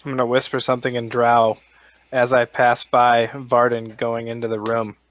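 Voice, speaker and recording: A man's voice: medium pitch, monotone, normal speed, fairly bright tone. A man playing a tabletop game, describing his character's actions in a joking, casual way. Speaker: player.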